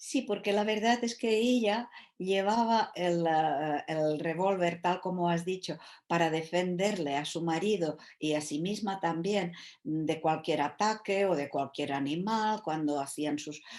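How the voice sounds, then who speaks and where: A woman with a Czech accent speaks at a fairly slow pace and a fairly low pitch, with ordinary pitch variation, over a quiet background. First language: Czech (speaking Spanish). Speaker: writer and translator. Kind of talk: interview. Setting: video call. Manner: halting, many fillers.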